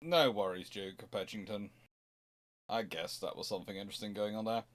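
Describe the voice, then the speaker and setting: A man hosting an informal livestream history Q&A, explaining in a halting, conversational way with emphatic stresses. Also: lowish voice, fairly even intonation. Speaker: host answering viewer questions.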